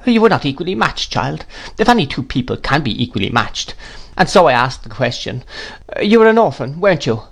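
A man's voice: fairly high pitch, big pitch swings, a little fast, gravelly, slightly rough, pitched above the performer's own voice, heavily acted. A man voicing a stern, brusque older woman who gives orders in a clipped, scolding way.

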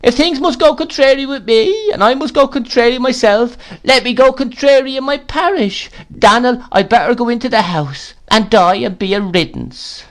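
A man's voice: very high-pitched, a bit bright, pitched above the performer's own voice. A man voicing a gloomy, self-pitying older widow who whines and draws out her words. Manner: whining, drawn-out and tearful.

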